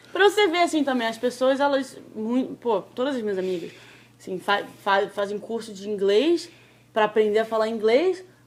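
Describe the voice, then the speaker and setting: An ordinary speaking voice from a woman, fairly high in pitch, with lively intonation at a moderate pace. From Brazil, Rio de Janeiro. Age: 20s. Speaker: film producer. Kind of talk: casual interview.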